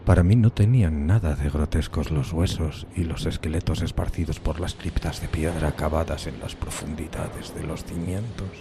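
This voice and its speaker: Man acting a deep-voiced, brooding gothic outcast. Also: noisy background. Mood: desolate, brooding. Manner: brooding, solemn, halting dramatic delivery. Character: tormented solitary outcast man recalling a decayed gothic castle. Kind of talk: dramatic gothic horror audiodrama narration. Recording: music bed behind the voice.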